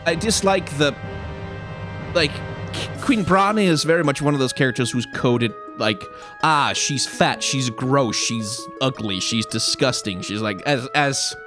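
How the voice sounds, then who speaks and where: A man's voice: medium pitch, lively intonation, unhurried, music in the background. A man giving casual, rambling commentary as he plays a game. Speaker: let's player voicing game characters.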